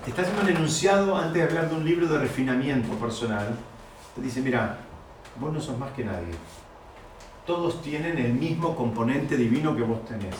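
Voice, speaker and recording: A man's voice: mid-range voice, fairly quick. Man teaching in an echoey room. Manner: explanatory, asks the class rhetorical questions. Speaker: Torah teacher. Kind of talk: teaching a class. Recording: very echoey room, distant mic, faint noise.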